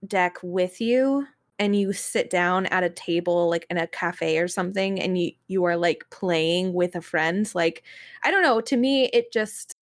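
A woman's voice: fairly low pitch, unhurried. A woman co-hosting a podcast in casual chat, talking in an informal, conversational way. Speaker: podcast co-host and games writer.

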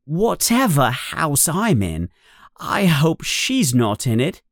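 A friendly young schoolboy wizard from a storybook, acted out by a narrator. He sounds casual and a little unsure of himself. His pitch leaps around freely, and the sound is dry and close. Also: big pitch swings, slow pace, no room sound. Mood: worried.

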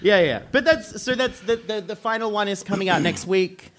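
A man in his 30s co-hosts a comedy podcast on a live stage before an audience, trading casual jokes into a stage microphone. He is animated at a moderate pace, laughing often and jumping into bursts of higher pitch.

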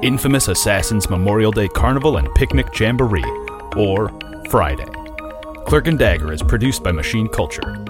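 A man with a lowish voice reads the end credits in a dry, even announcer's tone. Loud music plays behind him. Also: normal speed. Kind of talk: scripted credits reading.

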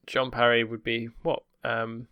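A man's voice: mid-range voice, completely flat delivery, unhurried, clear, resonant tone, no room sound, muffled recording. A man with a home counties English accent, explaining things in casual, discursive chat and often correcting himself. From home counties, England. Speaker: podcast panellist explaining British terms.

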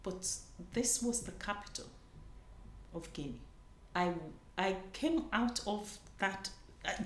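A woman from Nigeria talks in an earnest, searching way and restarts her thoughts often. Her voice sits a little low. The room is echoey, with a faint hiss underneath. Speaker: conference panelist. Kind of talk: conversational interview.

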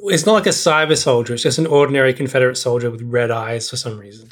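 A man's voice: mid-range voice, quick pace. A young man co-hosting a casual podcast chat, wry and self-mocking, laughing often at his own stories. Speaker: podcast co-host.

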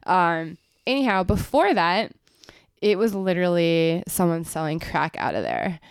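A woman's voice: on the low side, big pitch swings, measured pace, clean tone, no echo, clean studio sound. A woman, co-hosting a casual podcast chat and telling long neighborhood stories peppered with "like" and the odd swear. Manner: chatty storyteller, heavy use of "like", swears casually. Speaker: podcast co-host. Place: apartment in Brooklyn.

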